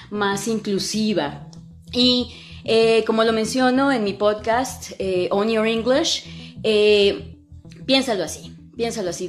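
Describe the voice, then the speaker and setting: A woman with a Mexican Spanish accent, an English teacher and podcaster, talking in a blunt, slangy, casual monologue full of swearing and rhetorical questions. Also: medium pitch.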